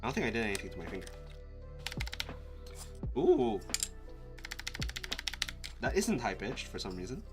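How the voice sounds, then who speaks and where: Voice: medium pitch, big pitch swings, normal speed, pauses often, music in the background. A live streamer casually thinking aloud, muttering to themself with restarts and sudden exclamations. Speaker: live streamer testing keyboards.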